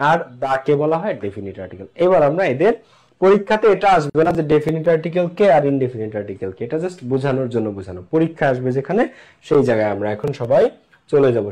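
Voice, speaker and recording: A man's voice: fairly high pitch, darkish tone. A man teaching English grammar in an online class, asking questions and answering them himself. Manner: asks and answers his own questions, repeats key points; slows down to spell out English examples.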